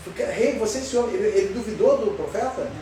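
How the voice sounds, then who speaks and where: A man's voice: high voice, lively intonation, fast talker, dark tone. A man teaches a Sunday school Bible lesson, questioning his class in an emphatic way. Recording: roomy far-off sound with faint noise.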